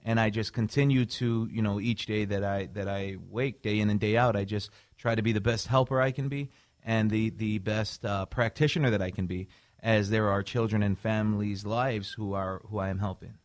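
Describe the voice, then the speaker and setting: A man's voice: lowish voice, steady tone. A man from Chicago, a mental health clinician, earnestly explaining his path as a radio guest. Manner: earnest, measured, some restarts. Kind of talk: radio interview answers.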